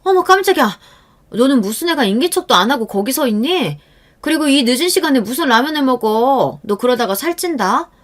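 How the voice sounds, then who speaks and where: A petty, sharp-tongued middle-aged aunt, put on by a woman reading the story. She scolds and needles in a raised, shrill voice. She sounds like a figure in a storytelling reading. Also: animated, brisk. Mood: startled, scolding.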